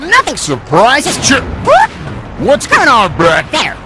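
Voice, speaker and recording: A pompous, wildly animated cartoon car host. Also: male voice, slow, music in the background, exaggerated voice. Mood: flustered, exasperated. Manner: pompous, showy, exasperated. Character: vain, easily flustered male race car show host. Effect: pitch-shifting voice changer. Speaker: sports show host. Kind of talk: animated game cutscene acting, TV presenting.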